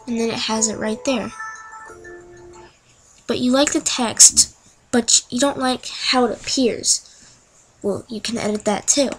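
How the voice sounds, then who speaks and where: A young woman chatting through each click in a casual screen-recorded software tutorial. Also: fairly high pitch, rough recording. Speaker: tutorial narrator.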